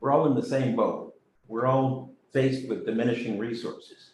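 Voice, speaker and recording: With audible room echo, a man at medium pitch talks at a moderate pace in a somewhat breathy voice. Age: 60s. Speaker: Rotary district governor-elect. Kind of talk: club speech. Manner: animated.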